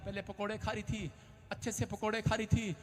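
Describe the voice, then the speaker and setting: A man preaching a sermon as a pastor, shouting and acting out scenes as he tells stories. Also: high-pitched, little pitch movement, fairly quick, slight background noise. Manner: shouting, dramatic storytelling. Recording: long hall reverb.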